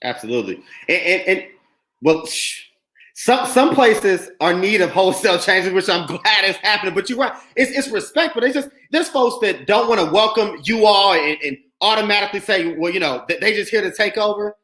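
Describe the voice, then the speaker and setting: A man's voice: high voice, fairly quick, reverberant. A man from Indianapolis hosting a podcast, talking in a casual, emphatic and outspoken way. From Indianapolis, USA. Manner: emphatic, animated, speaks his mind. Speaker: podcast host.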